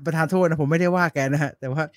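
Man, slightly high voice, joking host, casual chat, dry sound. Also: fairly even intonation, fast, no echo. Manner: joking, laughs often, teasing. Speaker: podcast host.

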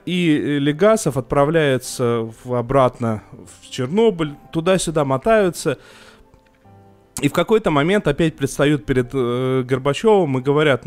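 A young man co-hosting a podcast about TV series, talking casually and emotionally, with frequent restarts and filler sounds. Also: on the high side. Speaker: podcast co-host reviewing TV series.

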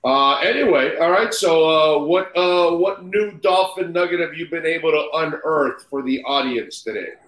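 A man's voice: fairly high pitch, moderate pace, few pauses, a bit bright. A man hosting a sports radio show in casual, teasing banter, his voice heard with an echoey roomy sound.

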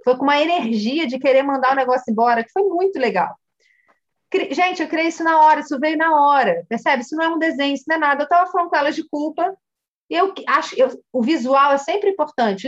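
High-voiced Brazilian woman teaching coaching. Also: fast, dull audio. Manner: animated storytelling, acting out dialogue and addressing listeners directly. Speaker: family coach. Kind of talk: teaching by retelling a coaching session.

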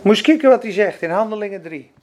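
A man's voice: high voice, expressive, quick pace, darkish tone. A man teaching a Bible lesson, preaching emphatically and repeating key words for effect.

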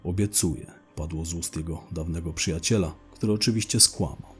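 Male narrator, deep, husky, blunt and slangy, telling a crime tale over quiet music. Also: fairly quick. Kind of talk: first-person crime story narration.

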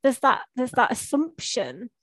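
A woman with an English accent, a hearing loss coach, chatting quickly as a podcast guest. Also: a little high, very animated, fairly bright tone, no echo. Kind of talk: casual conversation.

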